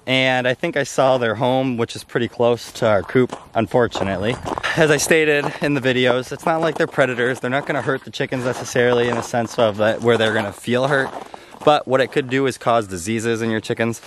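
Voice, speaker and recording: A man's voice: medium pitch, fairly quick, background noise. A young man filming himself at arm's length outdoors, chatting casually and explaining step by step. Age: young adult. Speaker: homestead vlogger. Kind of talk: casual talk to camera. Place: outdoors in a snowy yard, partly in a house. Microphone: handheld camera at arm's length.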